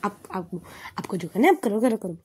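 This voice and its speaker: A woman voicing a caring young woman who fusses and gently scolds her partner in a spoken love story. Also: mid-range voice, big pitch swings, fairly quick, husky. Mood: fussy. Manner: fussy, protective, breezy.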